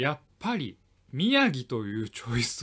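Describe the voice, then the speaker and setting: Using a Kansai accent, a man speaks at a moderate pace with very wide pitch swings. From Kansai, Japan. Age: 30s. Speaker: podcast host. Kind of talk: casual chat.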